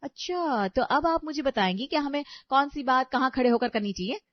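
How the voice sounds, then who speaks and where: A woman's voice: sits high, expressive, normal speed, no echo. A woman voicing a spoiled, haughty young bride in a cartoon story who is rude and sarcastic to her mother-in-law. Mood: demanding. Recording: dry, slightly dull audio.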